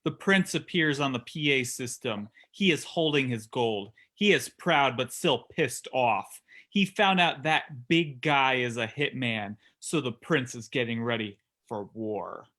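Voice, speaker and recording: Slow-paced, bright-voiced male narrator. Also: medium pitch. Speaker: narrator reading stage directions. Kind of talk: scripted narration.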